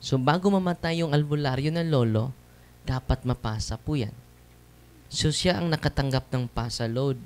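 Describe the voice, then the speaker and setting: A man's darkish, mid-range voice moves at normal speed. He's a Catholic priest preaching a testimony to a live audience seated in a church or hall, keeping it conversational and often lobbing tag questions at listeners.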